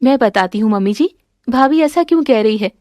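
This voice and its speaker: A woman voicing a gentle, sensible young daughter-in-law who speaks politely and calmly. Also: fairly high pitch, fairly quick, no room sound, clean studio sound, lightly acted. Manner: polite and calm.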